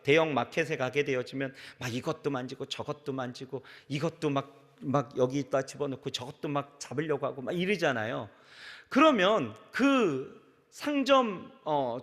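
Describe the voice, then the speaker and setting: A pastor preaching a sermon to his congregation, speaking right to them and acting out the voices of the people in his stories. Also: on the high side. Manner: animated preaching, acts out quoted voices, addresses congregation directly. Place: large church sanctuary. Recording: reverberant large church sanctuary.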